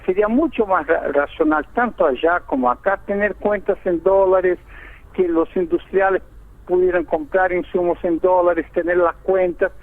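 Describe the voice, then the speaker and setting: A man's voice: sits high, normal speed. A man from Argentina with a Brazilian-tinged Argentine Spanish accent, an economist explaining his points step by step in a radio interview over the phone. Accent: Argentine Spanish with a Brazilian Portuguese lilt. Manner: explanatory, lays out points in order, tag "¿viste?". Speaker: economist guest. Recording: tinny phone line.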